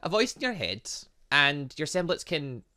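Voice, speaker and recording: A man hosts a gaming let's play in a fairly high, forceful voice. His pitch swings widely as he reads game text and reacts to it. The delivery is casual and full of exclamations. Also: big pitch swings, moderate pace. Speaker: gaming channel host. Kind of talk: casual let's play commentary, reading visual novel text aloud.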